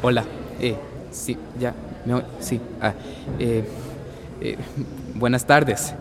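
A man's voice: medium pitch, steady tone, slow, in a large hall, crowd noise. A man playing a nervous young speaker. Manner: hesitant, stumbling, lots of fillers. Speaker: grandson giving a thank-you speech.

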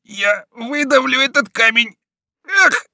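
A man's voice: sits high, a little slow, pushed and bright, dry recording, studio quality, voice pushed up, full character voice. A man voicing a stout, proud nobleman who is out of breath and forcing out strained, gasping exclamations. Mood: straining.

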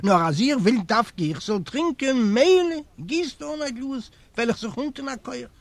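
A male audiobook reader voicing a fussy, pious old man who is easily startled and talks in quick exclamations and questions. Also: very high-pitched, expressive, creaky, no room sound, pitched above the performer's own voice, full character voice. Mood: startled protest. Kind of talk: audiobook character voice.

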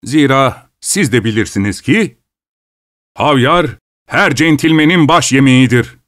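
A man playing a greedy dinner guest in a storybook reading, smug and unhurried. He sounds sly, with a dry, close delivery and an easy drawl. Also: medium pitch, expressive, a bit bright, no room sound. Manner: smug, leisurely, feigned innocence.

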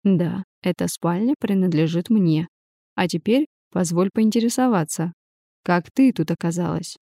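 A woman's voice: lowish voice, normal speed, dark tone, dry recording. A woman reading the part of a smirking, blunt man who answers in short, dry replies in a spoken storybook. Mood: questioning.

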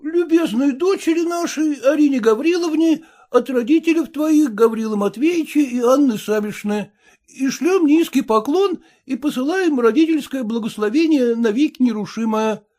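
A man's voice: extremely high pitch, lively intonation, moderate pace, mellow, pitched above the performer's own voice. A man voicing a drowsy, hungover young peasant who drawls lazily and yawns between words. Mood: reading haltingly.

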